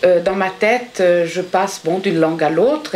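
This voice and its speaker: Noticeable background noise sits behind a woman speaking. She has an Italian accent and a medium pitch. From Italian-speaking background. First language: Italian (speaking French). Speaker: writer. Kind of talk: interview. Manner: halting, many hesitations.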